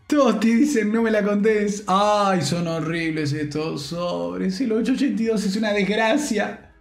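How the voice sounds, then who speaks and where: A young man with a Rioplatense Spanish accent, commenting on game pack openings in an animated, slangy, joking way. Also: sits high, a little slow, vocal fry, roomy sound, faint music behind. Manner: animated, slangy, jokey, shouts with joy. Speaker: gaming streamer.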